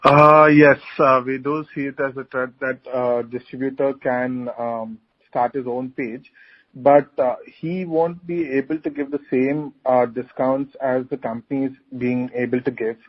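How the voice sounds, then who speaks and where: A company executive answering on an earnings call, halting with many fillers. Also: male voice, mid-range voice, steady tone. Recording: muffled conference call line.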